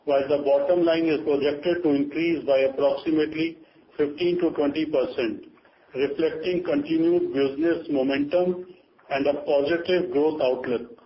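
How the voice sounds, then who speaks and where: A man's voice: a little high, steady tone, moderate pace. A man with an Indian accent reading a formal, scripted corporate statement as a company chief on a conference call. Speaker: company chief giving earnings remarks. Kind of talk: formal prepared corporate statement read aloud. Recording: dull lo-fi conference call, faint noise.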